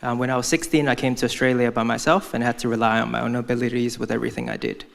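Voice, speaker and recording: A man's voice: medium pitch, flat delivery, rapid-fire, gravelly, a bit bright. A young man from Hong Kong giving a prepared church testimony, speaking earnestly as if from notes.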